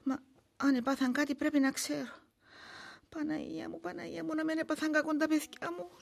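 An actress playing an anxious, pious old mother who speaks weary, complaining Cypriot Greek with a creaky voice. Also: mid-range voice, animated. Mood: worried. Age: older. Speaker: actress in a drama. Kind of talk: dramatic dialogue and monologue in dialect.

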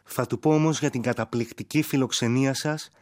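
An actor playing a polite, reassuring young soldier in a radio drama. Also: male voice, medium pitch, fairly even intonation, a little mellow, lightly acted.

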